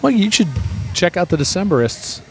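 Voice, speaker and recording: A man's voice: high-pitched, very animated, a little fast, slight background noise. Dry, joking man calling a basketball game. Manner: dry, joking, calls scores and clock. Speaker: play-by-play announcer and podcast host. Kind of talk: comedic live sports commentary. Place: courtside at an amateur basketball game.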